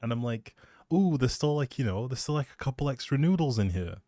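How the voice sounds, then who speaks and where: A man's voice: mid-range voice, lively intonation, a little fast, mellow, no room sound. A man chatting casually as a live streamer, rambling in a playful, self-deprecating way into a close microphone.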